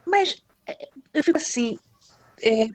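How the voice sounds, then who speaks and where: Participant, female, slow hesitant talker heard through a glitchy video call that stutters and cuts out. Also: high voice, lively intonation. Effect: choppy, stuttering video-call audio that keeps breaking up. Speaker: study group participant.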